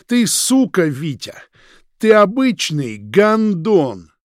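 A man voicing a hot-tempered young man who shouts in a strained, raised voice, in an audiobook. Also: on the high side, animated, measured pace, no echo, studio quality, pitched above the performer's own voice. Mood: bitter. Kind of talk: audiobook character voice.

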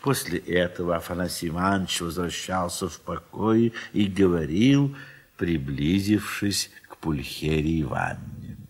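A man narrating a literary audio play in a measured storytelling manner. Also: deep voice, expressive, husky.

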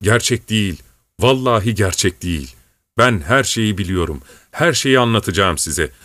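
A man's voice: fairly low pitch, expressive, normal speed, fairly bright tone, no echo. A man voicing a pleading young woman. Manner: pleading, urgent.

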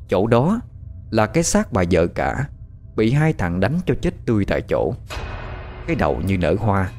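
Man, horror audio story narrator, dramatic, low voice, animated intonation.

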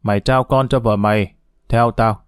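A man's voice: on the low side, fairly even intonation, normal speed, clean tone, no room sound, studio quality, close to an everyday voice. Man reading as a cruel, barking camp commander. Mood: harsh. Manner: loud, barking.

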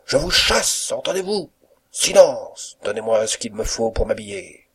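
A man voicing an irate old bachelor who scolds and dismisses his servants, raising his voice loud and high. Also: animated, normal speed, gravelly, slightly rough, full character voice. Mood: furious. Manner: shouting, commanding. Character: furious old bachelor master of the house.

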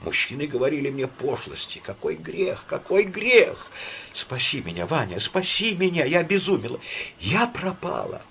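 A man's voice: mid-range voice, lively intonation, normal speed, a bit bright, a little hiss or hum, pitched above the performer's own voice. A man voicing a sobbing guilt-stricken young woman. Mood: tearful, desperate. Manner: sobbing, pleading.

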